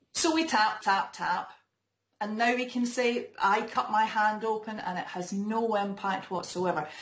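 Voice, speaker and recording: A woman with a Scottish accent speaks with ordinary pitch variation, and audible room echo surrounds her voice. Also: fairly high pitch for a woman, fairly slow pace. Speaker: EFT practitioner. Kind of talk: interview.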